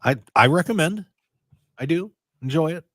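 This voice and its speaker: A man hosting a radio show in casual, rambling chat, his voice a little raspy and strained. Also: on the high side, moderate pace, dry recording, clean studio sound. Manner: chatty, excitable, rambling. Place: radio studio.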